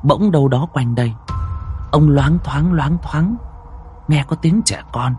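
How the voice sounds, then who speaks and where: A man's voice: on the high side, measured pace, faint music behind. A man narrating a ghost story in a vivid, suspenseful way. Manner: vivid, suspenseful, swings widely between hush and alarm. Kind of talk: dramatic storytelling.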